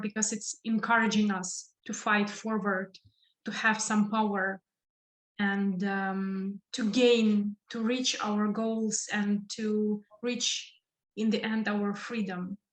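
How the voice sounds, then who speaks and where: Echoey, slow-speaking Ukrainian woman. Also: medium pitch, little pitch movement. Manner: halting, searching for words in non-native English. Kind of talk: earnest impromptu speech in an online discussion. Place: indoors, online video call. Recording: echoey room on a video call.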